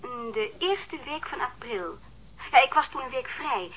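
A high-voiced, anxious apologetic mother. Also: animated, measured pace, fairly bright tone. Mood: hesitant, eager. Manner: hesitant, stammering, deferential. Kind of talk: Dutch radio drama acting. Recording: telephone line with audible noise.

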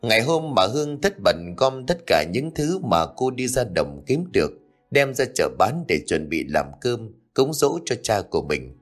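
A man narrating a scripted ghost story in a steady storytelling read. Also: medium pitch, normal speed, soft background music.

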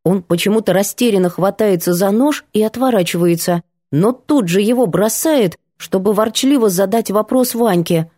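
A woman narrates a first-person novel with expressive, ironic storytelling. Her voice is mellow and mid-pitched. The recording is dry and close. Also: normal speed, hardly any pauses, no echo. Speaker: audiobook narrator.

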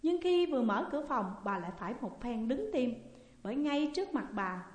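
A woman reading a ghost story aloud in a steady manner. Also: fairly high pitch, brisk. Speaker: narrator. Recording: long echoey reverb.

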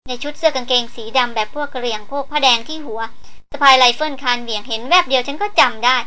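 A woman's voice: high voice, fast talker, bright, forceful tone. A woman narrator voicing a frightened young woman who urgently recounts a vivid dream. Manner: urgent, breathless telling.

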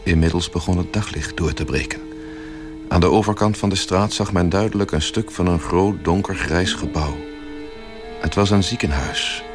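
A man giving scripted literary narration as the narrator of a radio play. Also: sits low. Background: music.

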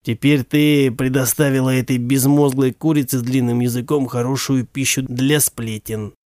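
Мужчина в роли злого, язвительного отца. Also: male voice, medium pitch, fairly even intonation, normal speed, no room sound, clean studio sound, lightly acted. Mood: cold scornful. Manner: cold and sarcastic, bursting into shouts. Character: stern, scornful, hot-tempered father, grown man.

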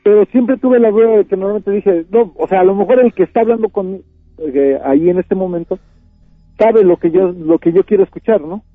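A man calling in by phone, telling his story in an earnest, halting way. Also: high voice, dry recording. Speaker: caller. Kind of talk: telling a personal story on a call-in show. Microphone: phone line. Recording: tinny dry phone line.

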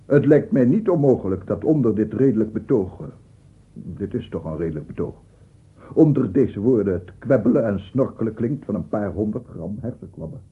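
A man's voice: on the low side, expressive, normal speed, breathy edge, full character voice. An actor playing an aggrieved, unstable scientist in his sixties, pedantic and insistent, in a radio play monologue. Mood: pedantic, defensive. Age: 60s. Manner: pedantic, insistent, repeats himself. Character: aggrieved, unstable 67-year-old bachelor scientist, self-justifying and obsessive. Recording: muffled, phone-like old radio recording.

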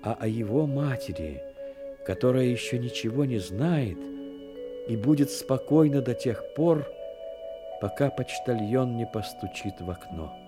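A man narrating a Soviet war radio drama in a dramatic, measured literary storytelling manner. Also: mid-range voice, expressive, over music.

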